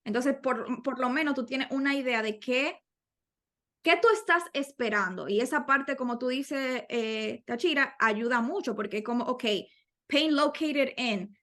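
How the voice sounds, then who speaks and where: A woman's voice: high voice, normal speed, a bit bright. A woman co-hosting a podcast, adding to exam tips in a conversational way and thinking aloud with many fillers and restarts. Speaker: podcast co-host.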